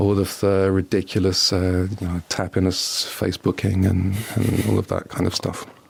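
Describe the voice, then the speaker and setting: A man with a very deep, low voice speaks at a moderate pace in a monotone, flat intonation, with hardly any pauses. Noticeable background noise sits behind him. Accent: British. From Britain. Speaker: political adviser and former DJ. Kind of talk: interview.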